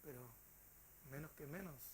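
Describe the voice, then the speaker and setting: A male teacher with a Rioplatense Spanish accent, telling a story to his class in an animated way with hesitant fillers. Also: fairly high pitch, moderate pace, slight background noise.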